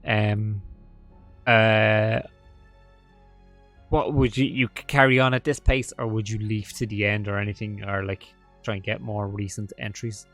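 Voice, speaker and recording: Halting man running a tabletop game. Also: fairly low pitch, flat delivery, fairly bright tone, no room sound, soft background music. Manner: halting, full of fillers and restarts. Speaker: game master.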